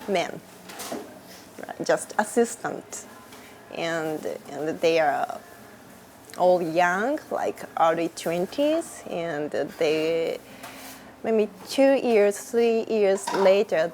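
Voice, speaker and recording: Slow-speaking Japanese-accented woman. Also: lowish voice, a little mellow, slight background noise. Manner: slow, searching for words, laughs often. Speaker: interviewee, Japanese teacher. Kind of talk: casual interview answers.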